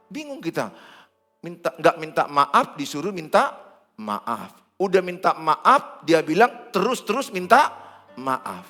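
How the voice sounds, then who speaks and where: A man, preaching a sermon in church in an animated, joking way. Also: sits high. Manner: animated, joking, acts out dialogue. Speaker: pastor.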